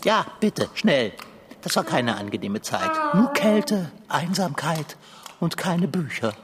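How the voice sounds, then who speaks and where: A woman's voice: low-pitched, big pitch swings, slow, over a noisy crowd, exaggerated voice. A woman voicing a fussy, bookish black tomcat who complains dramatically and gets airsick. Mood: whiny. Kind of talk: children's audio play narration in character.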